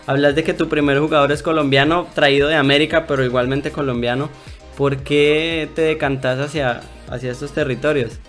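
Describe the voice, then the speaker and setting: A man's voice: medium pitch, fairly bright tone. A man hosting a casual interview, chatty, asking long winding questions. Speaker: interview host.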